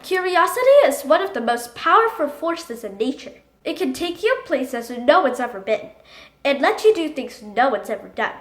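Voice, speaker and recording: A woman reading a children's picture book aloud in an expressive, emphatic storytelling manner. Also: high-pitched, moderate pace, roomy sound. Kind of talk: animated picture book read-aloud in character.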